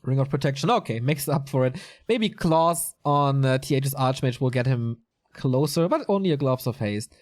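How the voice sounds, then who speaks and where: Lively solo esports caster, man. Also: medium pitch, moderate pace. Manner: lively, chatty, answers viewer chat mid-commentary. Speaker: esports commentator. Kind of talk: solo live game commentary.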